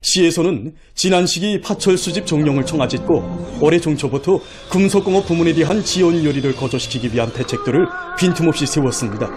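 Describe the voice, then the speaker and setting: A man's voice: fairly high pitch, fairly quick, music in the background. North Korean man reading state news. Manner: stately, emphatic delivery. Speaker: news narrator. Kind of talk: formal broadcast news narration.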